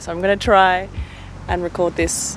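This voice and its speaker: A woman with an Australian accent speaks at a fairly quick pace as music plays in the background. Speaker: architect and video creator. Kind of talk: tutorial. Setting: outdoors.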